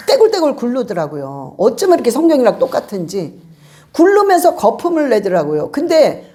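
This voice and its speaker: Animated woman pastor telling a story. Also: fairly high pitch. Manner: lively storytelling with acted-out quotes. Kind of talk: sermon storytelling.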